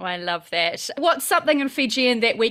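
A woman's lively intonation at a fairly quick pace, with noticeable background noise. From New Zealand, Central Districts. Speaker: sports podcast host. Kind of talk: scripted news presenting and casual interview.

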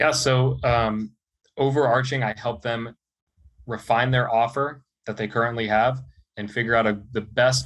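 This is a man with a normal speaking voice. He keeps a moderate pace and ordinary pitch variation. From US (Ohio), moved from South Africa as a child. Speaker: marketing agency owner. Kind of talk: casual interview.

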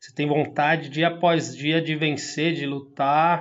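A man with an unremarkable speaking voice and fairly high pitch talks at a fairly slow pace. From São Paulo, Zona Norte. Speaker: streetwear brand entrepreneur. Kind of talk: interview.

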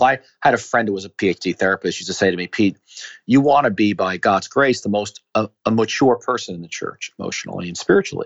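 Here a man speaks at a moderate pace with a medium pitch. His pitch varies in an ordinary way. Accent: New York. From New York City (Queens), Italian American. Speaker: pastor and author. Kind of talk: interview conversation.

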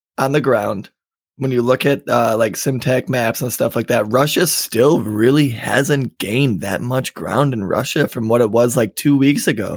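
In a plain, everyday voice at medium pitch, a man speaks at a fairly slow pace with ordinary pitch variation, in a very clean recording with a silent background and a dry, close sound with no echo. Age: 30s. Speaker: podcast co-host, blue-collar worker. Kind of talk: casual chat.

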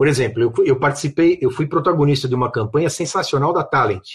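His pitch varies in an ordinary way. The man's voice is somewhat breathy. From São Paulo, Brazil (Zona Norte). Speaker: actor and voice-over artist. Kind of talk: casual interview chat. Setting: online call. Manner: animated.

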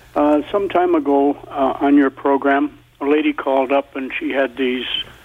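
A man with a Canadian accent against noticeable background noise. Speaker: caller. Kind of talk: call-in question. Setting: phone call.

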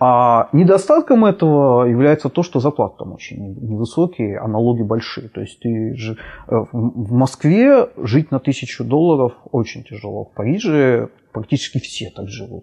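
Speaking at a moderate pace, a man with a medium-pitched, dark, mellow tone uses lively intonation and big swings in loudness. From Russia, Ivanovo region. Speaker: software tech lead. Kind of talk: interview.

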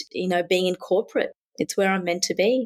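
Here a woman talks with an Australian accent. Her pitch is medium, with ordinary variation. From Australia, Melbourne. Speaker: executive assistant. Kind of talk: interview conversation.

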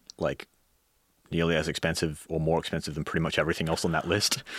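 With an Australian accent and a very deep, low pitch, a man speaks on a very clean recording with a silent background. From Australia (Brisbane). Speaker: music producer and guitarist. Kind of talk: casual interview chat. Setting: studio.

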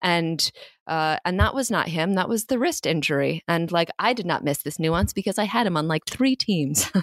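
In a very clean recording with a silent background and a dry, close sound with no echo, a woman with a plain, everyday voice speaks at a moderate pace and a fairly low pitch, using lively intonation. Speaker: actor and baseball fan. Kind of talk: casual chat.

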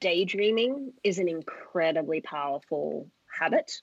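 Speaking very slowly in an Australian accent, a woman has a fairly low pitch and lively intonation. Her sound is dry and close, with no echo. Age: 30s. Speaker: hospitality and events business owner. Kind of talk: casual interview chat.

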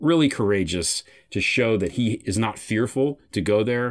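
A man's normal speaking voice at a medium pitch, with lively intonation, a moderate pace, and a very clean recording with a silent background. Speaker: podcast host. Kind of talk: interview.

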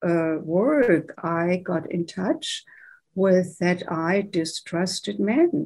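Speaking very slowly with a German accent, a woman uses lively intonation at a medium pitch, her tone dark and mellow, on a very clean recording with a silent background. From Germany. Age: 70s. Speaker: author and tantra teacher. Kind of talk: interview.

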